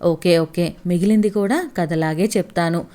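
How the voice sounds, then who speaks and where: A woman's voice: fairly low pitch, normal speed, warm tone, lightly acted. Woman voicing a young wife, mildly cross. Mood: mock-cross. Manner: mock-cross, then amused.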